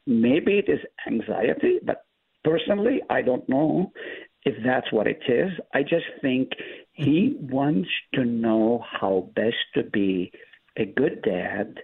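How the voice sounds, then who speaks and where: Middle Eastern pastor, native Hebrew speaker, lively emphatic teacher, husky voice over a thin phone line. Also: male voice, medium pitch. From Middle East. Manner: emphatic, explaining with rising stress. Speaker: pastor guest. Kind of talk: Bible study discussion. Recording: tinny phone-line audio.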